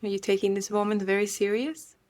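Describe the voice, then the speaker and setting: A woman leading a guided meditation in a gentle, unhurried way, leaving long pauses. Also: mid-range voice, level tone.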